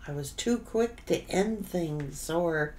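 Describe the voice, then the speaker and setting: A middle-aged woman giving an unscripted tarot reading in halting, broken phrases that she often repeats. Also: fairly low pitch, expressive, darkish tone, a little hiss or hum. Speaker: tarot reader. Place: indoor room, seated at a table.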